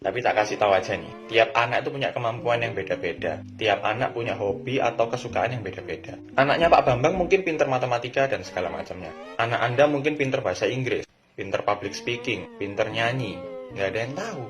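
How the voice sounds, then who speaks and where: A young man giving casual, preachy advice to parents and kids, animated and lively in delivery. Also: medium pitch, fast, soft background music. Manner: animated, preachy, acts out quotes. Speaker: vlogger.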